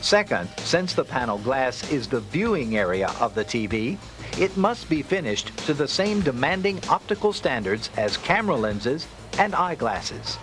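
Animated American male narrator over music. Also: mid-range voice, moderate pace. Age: middle-aged. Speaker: corporate video presenter. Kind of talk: scripted industrial film narration. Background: background music.

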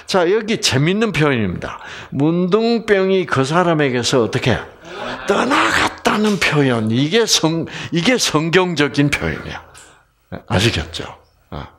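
Man, Bible lecturer, from Gyeongsang, fairly high voice, unhurried, quizzes his listeners. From Gyeongsang Province, Korea. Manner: animated, keeps quizzing the audience. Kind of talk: lively Bible lecture to an audience.

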